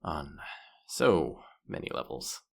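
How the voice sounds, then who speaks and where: A man's voice: a bass voice, very animated, slow, gravelly, full character voice. A man playing a playful, boastful demon guide to the afterlife in a roleplay audio drama, with a smug, teasing, theatrical delivery. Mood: relieved, boastful.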